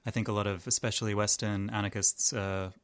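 A man from Armenia, a musician guest on a community radio show, speaking hesitantly and thoughtfully with many pauses. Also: on the low side, flat delivery, clean tone. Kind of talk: casual radio interview.

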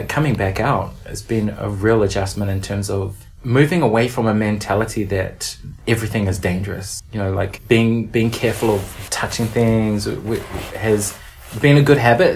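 A woman's voice: rumbling low, darkish tone. A woman speaking as an interview guest, candid and reflective with a playful streak. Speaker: podcast guest, performer and playwright.

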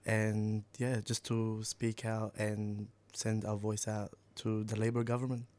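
A man from Egypt, a youth community worker, giving relaxed and easygoing answers in a radio interview. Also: lowish voice, a little slow. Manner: relaxed, short easygoing replies.

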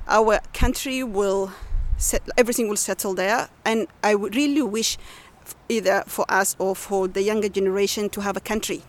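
Reflective woman. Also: mid-range voice. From Sudan. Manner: reflective, searching for words with frequent restarts. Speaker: community radio co-founder. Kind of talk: casual interview.

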